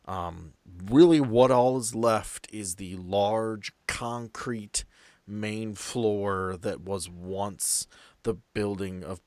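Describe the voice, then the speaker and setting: A man's voice: lowish voice, no room sound. A man narrating a tabletop role-playing game as game master in a casual, profane way.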